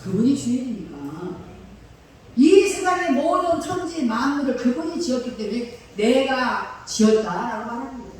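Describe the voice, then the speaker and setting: A woman pastor giving a chatty sermon, with laughing asides and slow scripture reading. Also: high-pitched, expressive, a little mellow, a little hiss or hum. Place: church sanctuary. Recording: echoey hall from far off.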